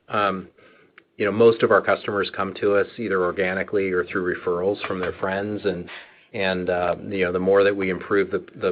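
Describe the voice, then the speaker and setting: A man answering questions as a finance executive on an earnings call, speaking in a halting, measured way. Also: sits low, slight background noise. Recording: dull, lo-fi conference phone line.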